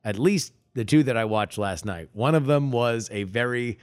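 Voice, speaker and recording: Man, podcast co-host, halting and filler-heavy casual talk, mid pitch. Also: clean tone. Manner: halting, many filler words and restarts. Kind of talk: casual chat.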